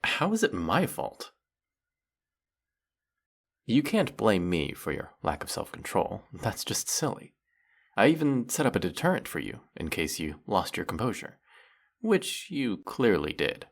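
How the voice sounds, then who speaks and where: A man's voice: sits low, gravelly, exaggerated voice. A man playing a teasing, sarcastic, flirtatious male faerie in a scripted roleplay monologue, scolding the listener with dry, theatrical playfulness. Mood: chiding, disappointed.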